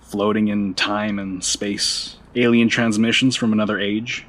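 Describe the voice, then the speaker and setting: A man's voice: lowish voice, flat delivery, unhurried, a bit bright. An actor playing a laid-back, supportive male friend with a dry sense of humour, in a naturalistic audio drama. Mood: wry.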